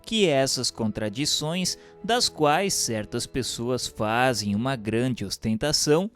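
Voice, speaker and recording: A Brazilian man reads a scripted text as a formal narrator. His delivery is slow and instructive, with pitch that moves expressively through each phrase. Faint music plays behind his voice. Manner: formal, measured, didactic delivery. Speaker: narrator reading a book aloud.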